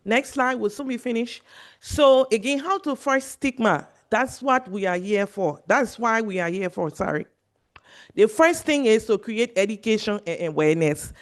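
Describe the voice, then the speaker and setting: A woman from Liberia giving a health presentation to journalists, earnest and repeating her key points. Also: mid-range voice. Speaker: medical speaker at a journalist training.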